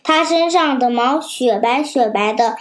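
Slow high-pitched child storyteller. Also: female voice. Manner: slow, careful storybook reading. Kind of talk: reading a children's fable aloud.

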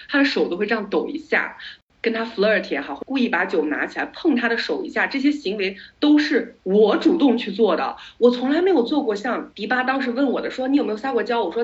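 A woman podcast host in a relaxed chat, telling stories with animated energy and slipping English words into her sentences. Her voice sits at a middle pitch. The recording is somewhat muffled and lo-fi. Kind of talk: casual chat. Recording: slightly dull lo-fi audio.

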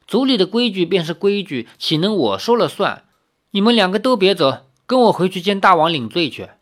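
A man doing a stern tribal woman who guards the rules. Her voice is cold and scolding, raised in pitch and brisk. She speaks in a spoken storybook. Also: sing-song, a bit bright.

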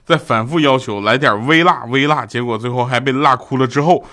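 A man's voice: mid-range voice, a little fast. A man from China, hosting a comedy show in a joking monologue and acting out the quoted lines. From Heilongjiang, China. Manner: lively storytelling, acts out quoted lines.

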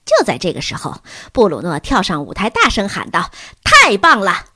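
Lively woman audiobook narrator. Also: lowish voice, fairly quick, breathy edge, dry recording, clean studio sound. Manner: lively expressive reading. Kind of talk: audiobook storytelling.

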